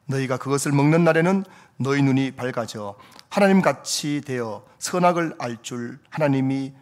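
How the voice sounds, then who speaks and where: A male pastor voicing the serpent as a sly, coaxing tempter, in a hushed, whispery voice. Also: medium pitch, normal speed, natural voice. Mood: coaxing whisper.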